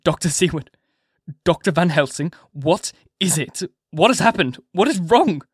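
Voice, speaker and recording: A man's voice: a little high, expressive, normal speed, breathy edge, no room sound, studio quality, voice pushed up. A man voicing a desperate young husband who cries out in alarm, in a storybook reading. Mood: frantic alarm. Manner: loud, desperate, crying out. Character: young husband, dazed then frantic.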